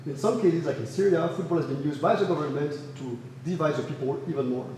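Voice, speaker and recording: Young French-accented student presenter, slightly high voice, echoey hall with long reverb. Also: male voice, fast talker, dark tone, slight background noise. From France. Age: young adult. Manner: earnest, with frequent fillers and restarts. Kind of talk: academic thesis presentation. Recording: roomy hall reverb, faint ambience.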